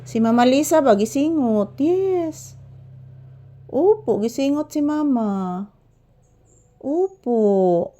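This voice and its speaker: Woman, slightly high voice, casual pet vlog, doting baby talk, sweaty from the heat, indoors at home. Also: expressive, slow pace, long pauses, warm tone. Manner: mixes Filipino, Cebuano and English. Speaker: vlogger. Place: inside a hot house.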